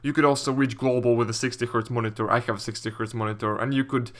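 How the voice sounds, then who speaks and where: A man's voice: medium pitch, steady tone, fast. A young man with a Latvian accent casually commentating, reading viewer questions and answering them as a gaming YouTuber.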